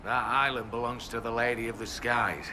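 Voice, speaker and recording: An actor playing a proud, wary tribal warrior in a fantasy video game, speaking in terse, formal, archaic phrases. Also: male voice, medium pitch, fairly even intonation, normal speed, sharp tone, a little hiss or hum. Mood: wary, blunt. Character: proud, wary male hill-tribe warrior, plain-spoken and superstitious.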